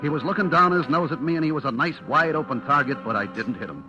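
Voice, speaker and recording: A man's voice: on the high side, animated, fast talker, dull audio, lightly acted. An actor playing a nervous, cornered man who tells his own story in clipped, confessional old-time radio suspense style. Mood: tense, confessional. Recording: vintage radio recording with music behind.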